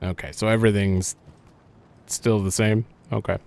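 A man's voice: lowish voice, level tone, normal speed, creaky, a little mellow. A young man casually commenting as he plays a horror game, rambling and thinking aloud. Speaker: gaming channel host. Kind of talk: casual let's-play commentary.

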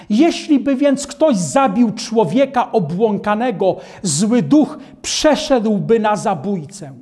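A man in his sixties giving a Bible study lecture as a preacher, explaining in a measured way in a studio. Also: sits high, dark tone. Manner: slow, measured, explanatory delivery. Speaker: Adventist preacher. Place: studio in front of a painted backdrop.

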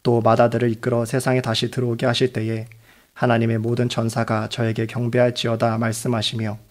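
A man reading Bible passages aloud in a measured, steady manner. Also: mid-range voice. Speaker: Bible reader. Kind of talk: scripture reading.

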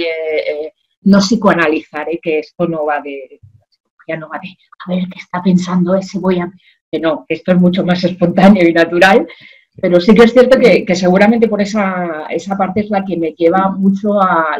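A woman, a guest in a casual interview. She talks in an animated, chatty way with lots of fillers, over a video call from a home office. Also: on the low side, highs cut off. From Madrid, Spain. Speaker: guest, social selling expert. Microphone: video call webcam.

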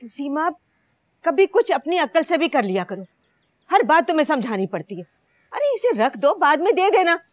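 A woman's voice: medium pitch, darkish tone, husky, no echo, lightly acted. An actress playing a busy, bossy middle-aged mother in a TV drama, ordering people around with exasperation. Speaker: mother of the bride. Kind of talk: TV drama acting.

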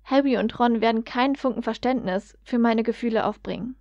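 A woman voicing a flustered young woman in a read-aloud fan story, speaking quietly and hesitantly. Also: fairly high pitch, a little fast, dry recording, natural voice. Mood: troubled. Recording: dull, dry lo-fi recording.

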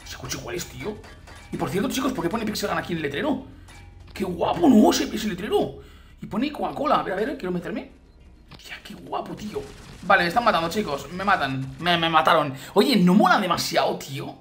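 A man from Spain with a Spain Spanish accent, giving excited reaction commentary on a game update and calling out to his viewers. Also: high-pitched, quick pace, faint music behind. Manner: excitable, exclamatory, keeps addressing viewers as guys. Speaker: gaming YouTuber.

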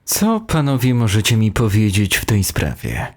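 A man's voice: fairly low pitch, huge pitch swings, normal speed. A man voicing an unfriendly, formal, needling police detective in an audio horror story. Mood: cool, formal.

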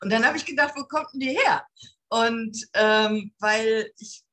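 A middle-aged woman hosting a podcast over a video call, chatty and lively in casual conversation. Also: on the high side, a little slow. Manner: lively, chatty, laughs easily. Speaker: podcast host, lawyer. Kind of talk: casual interview chat. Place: home, indoors, green screen.

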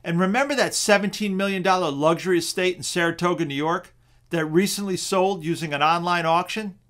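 A middle-aged man narrating a scripted webinar on real estate auctions in a steady, persuasive sales tone. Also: sits high, brisk.

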